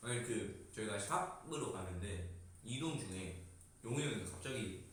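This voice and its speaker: Bright, animated young man in a roomy space. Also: fairly low pitch. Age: young adult. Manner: animated, quick to laugh and react. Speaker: idol group member. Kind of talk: casual group chat on a livestream. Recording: roomy, distant mic, faint noise.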